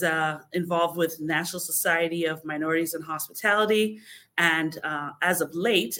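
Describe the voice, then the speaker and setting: A woman from the Bahamas, a podcast guest, answering interview questions in a measured, explanatory way with frequent fillers. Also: fairly low pitch, pushed and bright.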